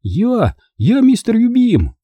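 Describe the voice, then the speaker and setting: A desperate little boy from a storybook, as a man voices him, raised high above the reader's own voice. He pleads urgently and thinly, and the sound stays close and dry. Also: huge pitch swings, slow, breathy edge, no echo, highs cut off, heavily acted. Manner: pleading and shouting.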